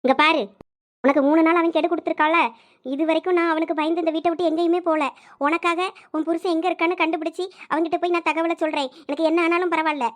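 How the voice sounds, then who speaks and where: A woman's voice: extremely high pitch, level tone, quick pace. A woman voicing a kindly older female house servant who speaks in a soothing, protective way. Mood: caring. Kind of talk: audio drama acting.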